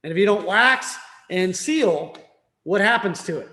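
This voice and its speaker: A man's voice: high voice, expressive, measured pace, pushed and bright. A man leading a sales training session, quizzing his listeners and tagging points with "right?". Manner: quizzing the room with frequent "right?".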